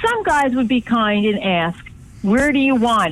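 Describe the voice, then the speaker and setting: There is noticeable background noise behind this woman. She speaks high and with lively intonation. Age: 50s. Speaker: adult film actress. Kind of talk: interview.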